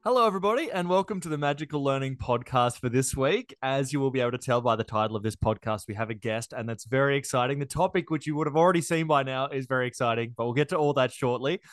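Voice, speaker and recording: A man's voice: medium pitch, quick pace, hardly any pauses, dry recording. Enthusiastic male podcast host, dry sound. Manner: enthusiastic, friendly, fillers. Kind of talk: hosting a podcast.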